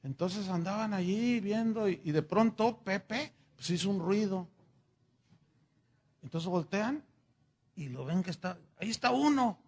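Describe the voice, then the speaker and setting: Brief: pastor, lively sermon storyteller, high husky voice. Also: male voice, unhurried. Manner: animated, chatty storyteller with fillers.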